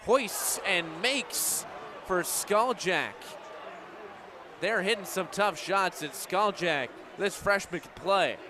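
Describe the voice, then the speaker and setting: Calling a live game on radio, this young American play-by-play man has a voice that sits high and moves slowly. Crowd and game noise fill the background of the broadcast.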